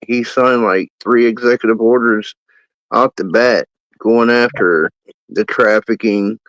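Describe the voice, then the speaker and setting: A man's voice: medium pitch, fairly even intonation, measured pace, a bit bright, no room sound. A man co-hosting a casual chat, speaking bluntly and plainly with firm opinions. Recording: dull lo-fi dry sound.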